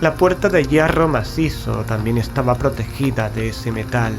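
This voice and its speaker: A man narrating a gothic horror story in the first person, in a measured, grave, literary manner. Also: mid-range voice. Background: background music.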